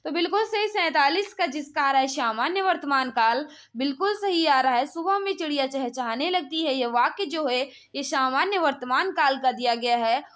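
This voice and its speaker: Female online exam-prep teacher, high voice; brisk quizmaster delivery with repetitive prompts. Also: lively intonation, a bit bright. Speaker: online exam-prep teacher running a live quiz class. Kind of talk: live quiz lesson, reading questions and confirming answers.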